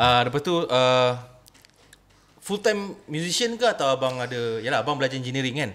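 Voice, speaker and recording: Speaking in a plain, everyday voice, a man uses lively intonation at a moderate pace and a medium pitch. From Malaysia, Kuala Lumpur; Malaysia. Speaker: podcast host. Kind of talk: casual chat. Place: studio. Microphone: studio mic.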